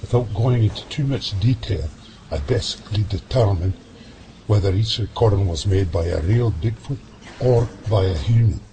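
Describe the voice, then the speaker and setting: A man's voice: fairly low pitch, moderate pace, background noise, natural voice. A man playing a folksy, seasoned Scottish sound analyst who explains patiently, with a Scottish accent, in an amateur radio drama. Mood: genial.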